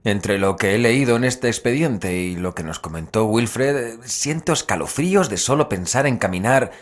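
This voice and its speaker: A man's voice: lowish voice, lively intonation, moderate pace, natural voice. A man with a Spain accent playing an uneasy, reluctant investigator with hesitant, wry delivery in an audio drama. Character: uneasy, reluctant, grumbling male investigator with dry sarcasm. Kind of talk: Spanish-language audio drama dialogue and narration.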